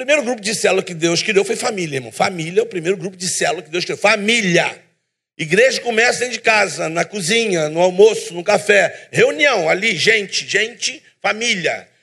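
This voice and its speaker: Using a raised, projected voice, a man with a high pitch speaks in an animated tone at a moderate pace, with ordinary pitch variation and big swings in loudness. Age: 50s. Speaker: preacher. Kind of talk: sermon. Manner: animated, questioning the congregation.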